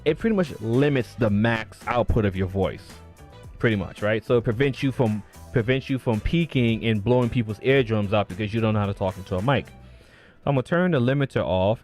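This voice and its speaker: A man's voice: lowish voice, darkish tone. Casual rambling man live streaming tech talk. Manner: loose and rambling, reads chat aloud and answers viewers. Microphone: streaming mic with audio filters.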